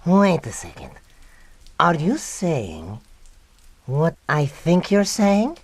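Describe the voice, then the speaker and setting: An actor playing an earnest, incredulous younger mad scientist in a comic radio drama, hesitant and deliberate in delivery. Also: male voice, a little high, wildly swooping pitch, no room sound, heavily acted. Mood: shocked disbelief.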